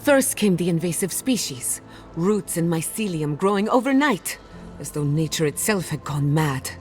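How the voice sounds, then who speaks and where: Impassioned, defiant woman scholar, acted, very animated. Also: on the low side, normal speed, faint music behind, lightly acted. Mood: indignant. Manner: impassioned, dramatic, pointed. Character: passionate, defiant female animancer fighting for her blighted land. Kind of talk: video game character acting.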